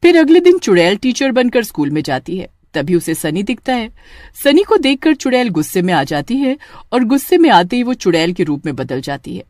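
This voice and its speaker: A woman narrating an animated horror story in a steady, plain storytelling voice. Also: mid-range voice, brisk, no room sound, clean studio sound.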